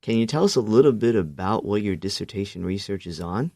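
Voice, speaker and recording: A man hosts a radio interview and asks his guests questions politely. His voice is low. The studio sound is dry and close. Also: expressive, fairly quick, dark tone, no echo. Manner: polite, congratulatory. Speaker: radio host.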